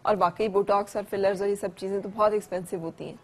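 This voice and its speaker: A woman hosting a morning talk show, brisk and friendly, moving callers and guests along. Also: medium pitch, steady tone. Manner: brisk, friendly, quick acknowledgements. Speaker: host.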